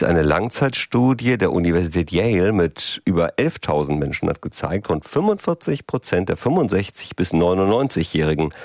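A man presenting a morning news radio show, with brisk announcer-like delivery. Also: low voice, creaky, a little mellow, no room sound, studio quality.

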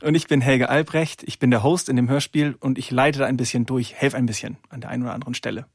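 A northern German man chats in a relaxed, unhurried way as a studio guest, now and then pausing on a filler. His voice sits dry on the mic. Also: medium pitch, husky, no room sound. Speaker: radio drama narrator, studio guest. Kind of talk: casual interview answers.

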